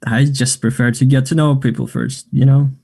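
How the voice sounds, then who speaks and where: A man's voice: mid-range voice, steady tone, normal speed, vocal fry, dark tone, husky. A man acting a flirtatious, self-assured gay man in a naturalistic table read of a play, chatty and teasing. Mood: friendly, chatty.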